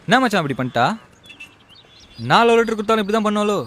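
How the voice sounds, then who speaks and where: A man's voice: sits high, expressive, fast. A man acting as an insistent young man who speaks in a pushy, commanding way, out on a street. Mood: joking. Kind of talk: short film acting. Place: outdoors on a street. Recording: loud film music underneath.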